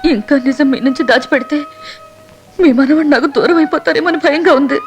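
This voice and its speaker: A young actress playing a timid pregnant wife, pleading and tearful. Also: female voice, high voice, a little fast, muffled recording, soft background music, lightly acted. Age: young adult. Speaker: granddaughter-in-law. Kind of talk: film drama acting.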